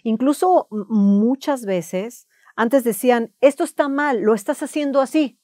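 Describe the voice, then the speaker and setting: A woman, a guest therapist in a casual conversation, calm and measured. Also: fairly high pitch, dry recording, studio quality. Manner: calm, measured, avoids swearing.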